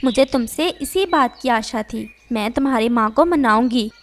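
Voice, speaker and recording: A woman's voice: a little high, normal speed, close to an everyday voice. A woman voicing a kind, motherly neighbor bird in a cartoon, speaking in a reassuring way.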